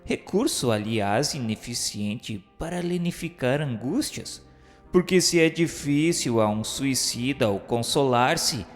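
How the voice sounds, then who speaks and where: A man reading literary first-person narration for an audio drama in a solemn, formal, measured manner. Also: medium pitch, expressive. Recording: long reverb, music behind. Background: music.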